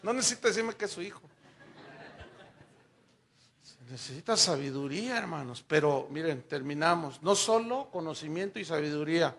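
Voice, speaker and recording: An older Mexican pastor preaching with animated storytelling, his voice high-pitched and bright with a gravelly edge. He acts out every exchange in his stories, jumping up into raised, excited tones. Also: moderate pace, long pauses. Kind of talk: sermon with personal anecdotes.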